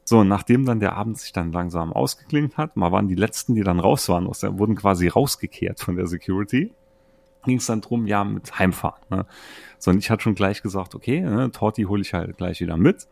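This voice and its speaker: A man of around forty from Germany, casually telling anecdotes as a podcast host in a chatty, animated way. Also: lowish voice, fairly quick, gravelly, no echo. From Saarland, Germany. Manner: chatty, animated storyteller who acts out friends' dialogue.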